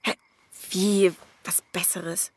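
A woman's voice: lowish voice, little pitch movement, slow pace, a little mellow, slightly rough. An actress playing a blunt, exasperated girlfriend in an audio drama, with slangy, naturalistic speech. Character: blunt, exasperated girlfriend longing for settled life. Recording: radio play with faint background noise.

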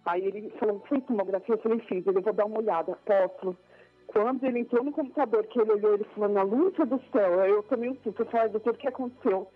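A woman's voice: mid-range voice, fast. A woman giving a fervent, emotional church testimony, telling her story over a phone line. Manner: tearful, fervent storytelling, rising to joyful exclamations. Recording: tinny phone line with faint music.

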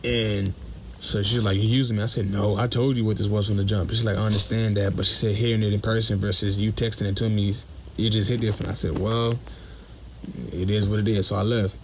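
A young man with a low voice tells a personal story in a casual voice message. He is blunt and curses freely, and acts out the dialogue as he goes. Faint noise sits behind him. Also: flat delivery, fairly quick. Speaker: listener sending a voice message.

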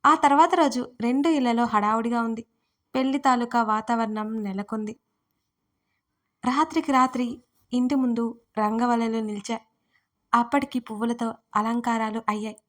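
A woman writer narrating her own romance audio story in a gentle storytelling manner. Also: fairly high pitch, steady tone, moderate pace, pauses often.

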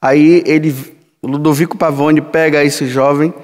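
A man's voice: on the high side, flat delivery, darkish tone. A man in his sixties, a priest giving a storytelling homily in a large church sanctuary on a headset mic, gesturing broadly as he speaks. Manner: slow, storytelling, sweeping hand gestures. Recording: long hall reverb.

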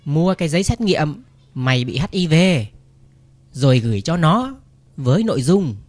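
A man's voice: a little high, no room sound. A man reading the part of a shrewd woman giving her friend bossy, step-by-step advice over the phone.

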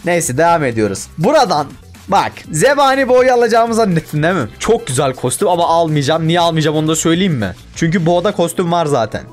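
A young man giving casual gameplay commentary, excitable and given to exaggerated frustration, talking to himself as he plays. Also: high voice. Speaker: gaming YouTuber.

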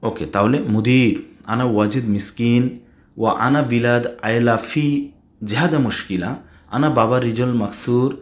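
Bangladeshi man, language teacher, slow and repetitive, mid-range voice. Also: mid-range voice. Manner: repeats words slowly, mixes in English phrases. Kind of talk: spoken language lesson.

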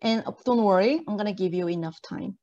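A woman's voice: mid-range voice, fairly quick, warm tone, muffled recording. A woman lecturer giving an interactive online lesson in an encouraging way, checking understanding with questions. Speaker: university lecturer. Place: indoor video call.

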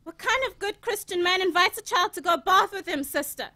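A woman's voice: extremely high pitch, brisk, pushed and bright, dry recording. A woman playing a troubled, protective young elder sister in an audio drama, earnest, hesitant but determined. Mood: indignant.

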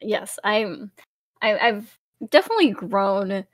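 A woman's voice: mid-range voice, sing-song, slow pace, dry recording, clean studio sound. A woman chatting casually as an interview guest in a cute, bubbly streamer manner, rambling along.

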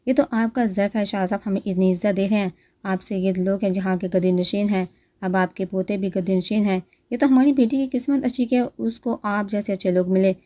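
A woman's voice: medium pitch, steady tone, warm tone, natural voice. A woman voicing a humble, thankful middle-aged father in a storybook reading.

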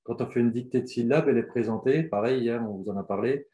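A man's voice: medium pitch, fast, dark tone, reverberant, highs cut off. A man co-presenting a webinar, chiming in with added examples.

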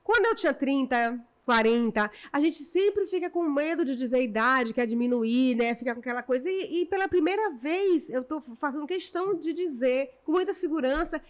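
A woman's voice: high voice, lively intonation, moderate pace, few pauses. A woman, a guest actress chatting in a reflective, emphatic way. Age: 50s. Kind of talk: casual chat.

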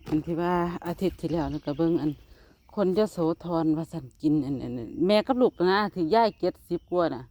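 A woman's voice: deep voice, expressive, fast talker, warm tone. A woman with an Isan Thai accent chatting casually to viewers in a vlog, filmed outdoors in a rural yard on a phone. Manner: chatty, addresses viewers as "brothers and sisters". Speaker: vlogger.

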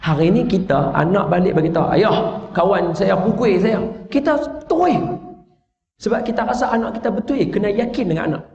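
A man preaches, slipping into characters' voices as he tells a story and teases his listeners. His voice sits a little high. The sound is muffled and carries a long hall echo. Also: a little fast, hardly any pauses. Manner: lively storytelling, voicing characters and teasing the audience. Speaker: religious preacher. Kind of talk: mosque lecture. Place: large mosque hall. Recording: echoey dull hall recording.

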